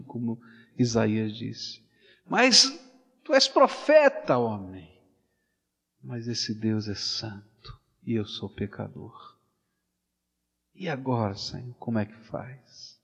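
A man with a Brazilian Portuguese accent preaching a sermon, swinging from loud animated storytelling to hushed, slow pleading. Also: mid-range voice, breathy edge. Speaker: pastor. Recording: dull sound with long hall reverb.

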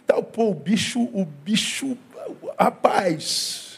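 A man with a Brazilian Portuguese accent preaches slowly in a high-pitched, creaky voice with a breathy edge and lively intonation. As a pastor telling a story in his sermon, he acts out dialogue and repeats phrases frequently.

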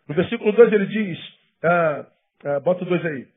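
A Brazilian Portuguese-accented man, a pastor, preaching a sermon with passion, swinging from loud emphasis to hushed tones. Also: high-pitched, moderate pace, husky. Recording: tinny phone-like sound.

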